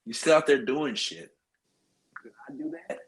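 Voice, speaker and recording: A man's voice: on the high side, wildly swooping pitch, normal speed, creaky. A man co-hosting a casual podcast over a remote call, talking bluntly and swearing, as his connection cuts in and out so that his volume drops and returns unevenly. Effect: remote call audio cutting in and out, uneven volume. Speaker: podcast co-host.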